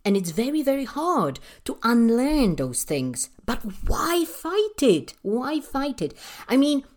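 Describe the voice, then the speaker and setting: A young adult woman speaking English with a Polish accent, her pitch leaping and dipping with feeling. She talks in an emphatic monologue, throwing out rhetorical questions and scattering fillers as she builds her argument. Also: very animated, slow pace, darkish tone. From Poland. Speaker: podcast host and English teacher trainer. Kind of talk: passionate monologue rant.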